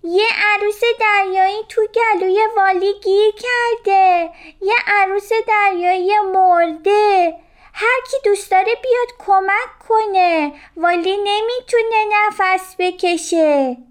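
A woman's voice: very high voice, pitched above the performer's own voice. A woman voicing a small, friendly young fish, calling out eagerly in a raised, childlike tone. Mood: eager, worried. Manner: raised, urgent, childlike calls.

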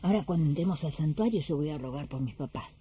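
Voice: mid-range voice, expressive, quick pace, mellow, husky, muffled recording. An actor playing a humble, devout pilgrim in a Spanish-language radio drama. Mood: humble, prayerful. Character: devout, humble pilgrim praying for parents and work.

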